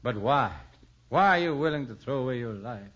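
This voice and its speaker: A man playing a smooth-talking unfaithful husband in a radio comedy sketch, with easygoing, crooning line readings. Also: medium pitch, lively intonation, fairly quick, voice pushed down, close to an everyday voice. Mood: mock dramatic. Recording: muffled 1950s radio transcription with loud hiss.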